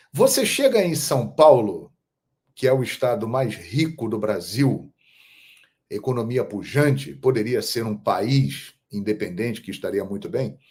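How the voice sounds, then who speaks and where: A man from Brazil hosting a football channel, telling stories in a measured, emphatic monologue. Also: medium pitch, darkish tone. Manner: measured, storytelling, emphatic on key phrases. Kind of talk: casual monologue to camera.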